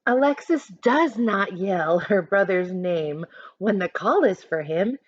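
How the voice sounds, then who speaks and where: A woman teacher reading aloud to children, adding chatty instructive asides in an expressive manner. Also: mid-range voice, takes it slowly, no room sound, muffled recording. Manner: expressive, instructive, acts out short examples.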